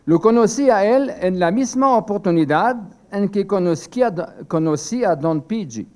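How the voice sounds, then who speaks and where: Reading from a prepared text at a seminar, this older priest, whose first language is French, speaks in a high-pitched, darkish voice with animated delivery. He goes slowly and haltingly, pausing and restarting often.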